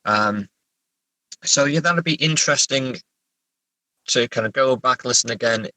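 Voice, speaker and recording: A man's voice: mid-range voice, a little slow, sharp tone, dry recording, poor audio. A man talking as a writer in a casual interview, reflective and hesitant, often repeating words as he thinks. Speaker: writer, podcast guest.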